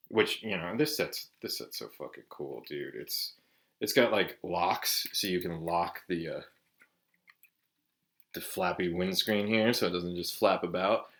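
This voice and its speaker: A Southern California man in his forties chats casually to camera as a vlog host, his voice low and a bit bright. He's laid-back, swears often, and fills his talk with "like" and "dude."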